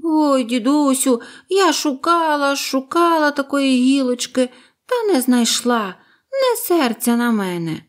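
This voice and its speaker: A woman voicing small eager spring birds who chatter in high, excited, apologetic voices. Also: slow, exaggerated voice.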